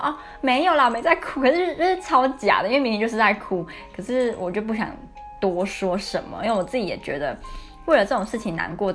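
A young woman from Taiwan with a Taiwanese Mandarin accent, hosting a podcast and telling personal stories in a chatty, candid, confiding way. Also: mid-range voice. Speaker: podcast host. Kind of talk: casual storytelling chat.

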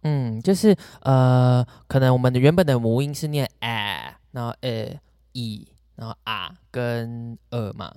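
A man's voice: medium pitch, unhurried, a little mellow, smooth, no room sound, studio quality. A man co-hosting a casual chat, explaining pronunciation points and teasing his partner. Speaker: podcast co-host explaining pronunciation.

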